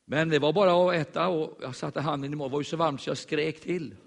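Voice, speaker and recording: A man preaching, telling a lively story and acting out the voices of the people in it. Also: fairly high pitch, gravelly, long reverb tail. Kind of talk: sermon storytelling.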